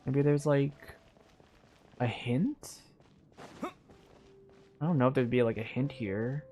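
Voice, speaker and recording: Playing a video game, a streamer talks slowly at a medium pitch, the voice a little mellow. Their casual, think-aloud commentary is hesitant and rambling, full of fillers, with game music behind it.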